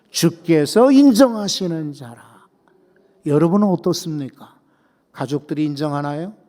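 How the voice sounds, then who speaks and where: A man preaching a sermon as senior pastor, telling a story with lively turns and asking the congregation questions. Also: fairly high pitch. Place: church sanctuary. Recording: long church reverb.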